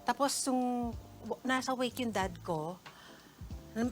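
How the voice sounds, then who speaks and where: A middle-aged woman chatting casually as a guest, an animated storyteller who laughs often and slips English phrases into her talk. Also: on the high side, slow. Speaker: guest sharing a testimony while cooking. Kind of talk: casual chat. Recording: music playing under the talk.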